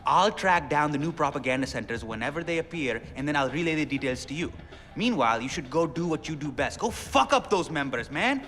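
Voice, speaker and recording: An actor playing an excitable, chatty young rebel radio DJ in a video game, with a South Asian accent and theatrical, slangy, rambling talk. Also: male voice, fairly high pitch, brisk. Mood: earnest, fired up. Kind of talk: game cutscene acting with radio patter. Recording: music behind, long reverb.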